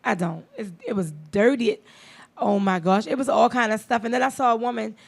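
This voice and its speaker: A woman in her thirties hosts a talk radio show with a gravelly, fry-edged voice. She talks in a blunt, chatty way and laughs often. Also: fairly high pitch, a little fast. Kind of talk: casual chat.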